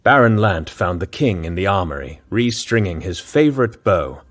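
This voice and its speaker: A man narrating an audio drama in a measured storytelling manner. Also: low-pitched, lively intonation, a bit bright.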